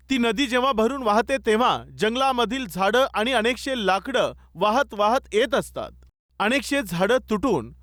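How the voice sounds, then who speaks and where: A man's voice: extremely high pitch, fairly bright tone, no echo, studio quality. A male pastor preaching a sermon, urging listeners with repeated calls and rhetorical questions. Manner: repetitive exhortation with rhetorical questions.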